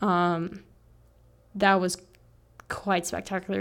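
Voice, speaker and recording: In an American accent, a woman with a medium pitch speaks at a fairly slow pace in a nervous, enthusiastic tone. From Naperville, Illinois, US Midwest. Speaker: radio host. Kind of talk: live radio DJ patter, casual and chatty, with station IDs and sports talk. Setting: radio studio, live broadcast. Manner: nervous, chatty and enthusiastic, rambling, self-deprecating, with fillers and laughs.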